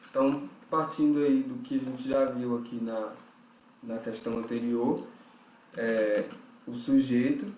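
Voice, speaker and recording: A male teacher walks through grammar exercises step by step, pausing on fillers and checking that students follow. His voice sits at an ordinary pitch and rings a little in an echoey room. Faint typing can be heard behind him. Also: a little mellow, slight background noise. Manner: explains step by step, with frequent fillers and checks like "certo?". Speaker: English teacher. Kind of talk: recorded online lesson.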